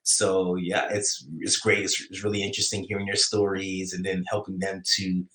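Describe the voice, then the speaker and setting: A man's voice: sits low, completely flat delivery, moderate pace, a bit bright. A man with a New York accent, chatting casually on his live writing stream, rambling with many restarts as he answers chat. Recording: echoey room.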